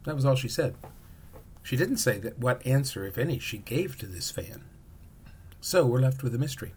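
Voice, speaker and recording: A man hosting a podcast, giving a scripted narration in a measured, questioning manner. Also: mid-range voice, lively intonation, a little hiss or hum. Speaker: podcast host.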